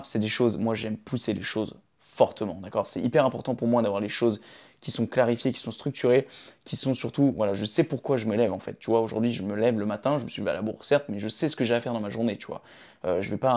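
A man's voice: medium pitch, a little mellow. A young man giving casual advice straight to the camera, often checking in with "d'accord?" and "ok?". He records on a phone in his room. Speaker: vlogger sharing his daily routine.

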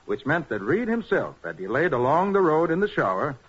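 A man's voice: fairly high pitch, big pitch swings, brisk, breathy edge. A man playing a confident, methodical American master detective in a 1940s radio drama, explaining things precisely and with assurance. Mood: assured, explanatory. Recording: muffled old 1940s radio recording.

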